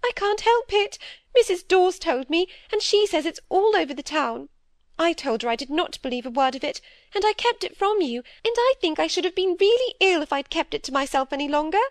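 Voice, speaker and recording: A timid old spinster lady, as a woman narrator puts her on, her voice lifted high and quavering with worry. She pleads and frets in a fluttering rush, on the edge of tears. The sound is dry and close. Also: animated, brisk, no echo. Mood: fretful.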